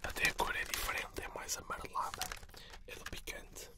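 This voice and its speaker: Whispering European Portuguese man, ASMR tasting. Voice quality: breathy unvoiced whisper. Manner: unhurried short remarks while tasting crunchy chips. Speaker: host of an ASMR snack tasting video. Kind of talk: whispered ASMR food review. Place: small indoor setup with black curtain.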